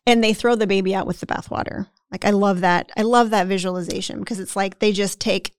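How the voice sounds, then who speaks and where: A woman's voice: medium pitch, fairly even intonation, quick pace, clean tone, no room sound, clean studio sound. A woman co-hosting a podcast in casual conversation, chatty, often tagging sentences with "right?" and acting out the self-talk of the people she describes. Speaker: podcast co-host.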